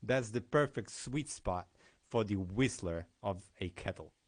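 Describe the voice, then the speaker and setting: Slow-talking man giving a technical lesson. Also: on the low side, lively intonation, husky. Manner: explanatory, with demo commentary. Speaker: conference speaker.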